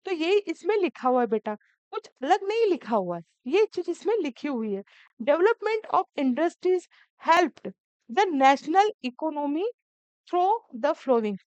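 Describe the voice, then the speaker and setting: Woman teacher, high voice, coaxing exam prep, dry lo-fi recording. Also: very animated, slow, darkish tone, no room sound. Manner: scolding, coaxing, calls students beta.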